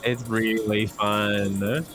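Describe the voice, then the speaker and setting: A man's voice: fairly low pitch, level tone, very slow, fairly bright tone, faint music behind. A man chatting casually as a game streamer, commenting on the game with a partner.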